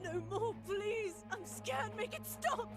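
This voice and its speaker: A woman's voice: very high voice, slow pace, music in the background, heavily acted. A woman in an anime dub playing a frightened, pleading young character. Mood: scared pleading.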